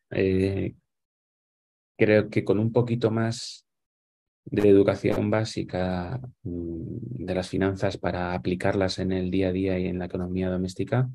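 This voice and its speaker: Guy in his 40s, deep and mellow, lots of ehs and restarts, webcam call. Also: level tone, unhurried, creaky. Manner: thoughtful, explaining with many fillers and restarts. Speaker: guest. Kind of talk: casual conversation on a video call. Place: small room at home. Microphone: webcam on a video call.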